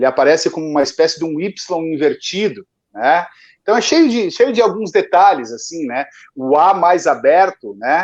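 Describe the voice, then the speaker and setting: Lively intonation from a high-pitched man at a moderate pace. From Rio Grande do Sul, Brazil (Lajeado). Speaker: singer-songwriter and literature teacher. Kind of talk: live interview conversation. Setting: online live stream with delay. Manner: hesitant, many fillers and repetitions.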